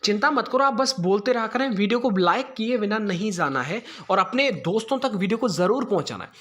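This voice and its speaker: A man teaching English idioms to exam students, reading each English line slowly in an Indian accent and then explaining it in Hindi. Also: sits high, lively intonation, fairly bright tone. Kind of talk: exam prep lesson.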